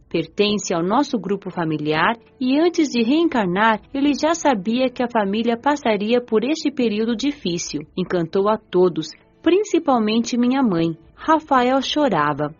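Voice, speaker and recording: A woman narrating a dramatized audiobook in a gentle, reflective way. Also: on the high side. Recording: slightly dull audio. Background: soft background music.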